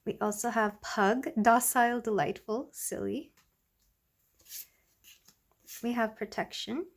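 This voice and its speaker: A woman with a congested voice, recovering from illness, giving a soft, rambling tarot reading to her viewers. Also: a little high, fairly even intonation, normal speed. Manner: soft, rambling, with many fillers. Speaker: tarot reader. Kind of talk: casual tarot reading to camera.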